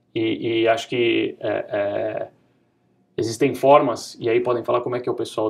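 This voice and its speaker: A man with a Brazilian accent talks at a fairly slow pace. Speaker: company executive. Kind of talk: interview. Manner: halting, many fillers.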